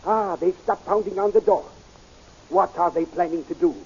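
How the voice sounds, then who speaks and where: An actor playing an excitable older scientist in a 1930s radio serial, with formal diction, on a muffled old recording. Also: male voice, high-pitched, moderate pace, gravelly, slightly rough, heavily acted. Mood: worried. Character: excitable older scientist doctor, mentor to hero.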